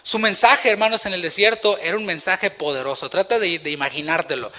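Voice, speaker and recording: Bright-voiced pastor preaching. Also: male voice, high-pitched, brisk. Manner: preaching with rhetorical questions and acted-out quotes. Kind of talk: sermon. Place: church.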